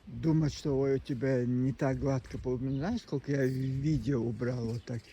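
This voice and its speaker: Guy vlogging by the sea, not his first language, stumbles and restarts a lot, loud surf noise behind. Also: medium pitch, steady tone. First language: not Russian. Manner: halting, many restarts and digressions. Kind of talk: rambling outdoor vlog monologue. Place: outdoors at a seaside resort, early morning. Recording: outdoor phone recording with sea noise. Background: noise of the sea shore.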